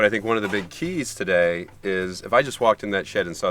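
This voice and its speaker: Someone talks at a very fast pace. Music plays in the background. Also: man. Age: 40s. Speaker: business co-founder. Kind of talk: casual chat.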